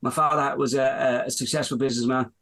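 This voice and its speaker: A man's voice: medium pitch, fairly even intonation, quick pace, a bit bright. A man in his fifties from Dublin with an Irish accent, a business owner answering interview questions in a rambling way, with many fillers and restarts. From Ireland. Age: 50s. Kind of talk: podcast interview.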